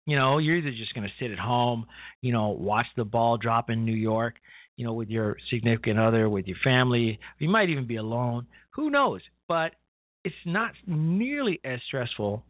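A man in his fifties talks casually as the host of his own internet radio show. He rambles and keeps interrupting himself with asides. His voice sits at an ordinary middle pitch and comes through a narrow, phone-like line with a dry, close sound. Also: breathy edge, no room sound. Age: 50s. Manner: rambling, chatty, self-interrupting with frequent "you know". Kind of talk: casual talk radio monologue.

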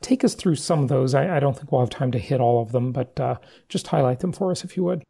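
A man's voice: medium pitch, fast, gravelly, mellow, breathy edge, dry recording. A man hosting a podcast, telling a travel story in a chatty way, laughing often, then interviewing a guest. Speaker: podcast host. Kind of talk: casual monologue and interview. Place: aboard a cruise ship.

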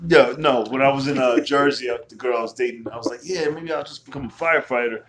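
A man hosting a podcast on a club stage, talking loudly in casual banter, full of stammered restarts. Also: medium pitch, fairly even intonation, quick pace, crowd noise. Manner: loud, rambling, stammering restarts. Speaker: podcast host. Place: small comedy club stage.

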